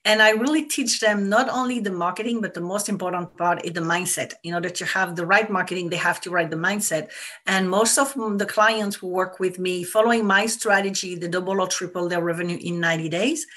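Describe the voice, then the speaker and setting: A woman's voice: fairly low pitch, steady tone, fairly quick, a bit bright. A woman with a French accent, a business coach explaining her work in an earnest, repetitive way. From France. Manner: earnest and explanatory, stresses points by repeating them. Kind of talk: casual interview answers.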